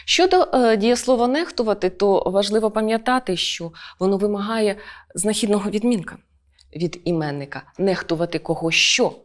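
A woman teacher delivers an online school lesson. She explains each point step by step and often pauses on short hesitation sounds. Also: medium pitch, animated. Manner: explanatory, with frequent "e" fillers.

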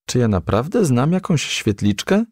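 A man's voice: medium pitch, big pitch swings, normal speed, a little mellow, dry recording, clean studio sound, voice pushed up. A man voicing a shy, reluctant young male firefly who protests plaintively in a storybook. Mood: reluctant, pleading.

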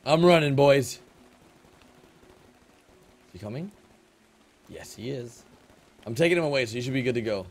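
Joking, excitable young male gamer. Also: mid-range voice, normal speed, pauses often. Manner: joking, excitable, chanting repeated phrases. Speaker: gameplay streamer. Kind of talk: casual multiplayer game chat. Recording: faint background music.

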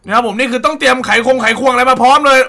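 A young man hosting a casual comedy reaction show, loud and crude, with frequent exclamations. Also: very high voice, rapid-fire, gravelly, soft background music. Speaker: reaction video host.

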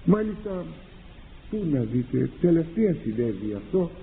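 A man, a priest and confessor, delivering a sermon with animated rhetorical questions and acted-out exchanges. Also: on the high side, gravelly, a little hiss or hum. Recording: tinny lo-fi archive recording in a reverberant hall.

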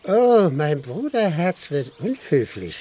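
Drunken, sneering squire, wildly swooping high voice. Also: male voice, big pitch swings, takes it slowly, slightly rough, full character voice. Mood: mocking, lecherous. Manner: sneering, swaggering, swinging from murmurs to shouts. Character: drunken, mocking, lecherous village squire and colonel. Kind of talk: German radio play acting.

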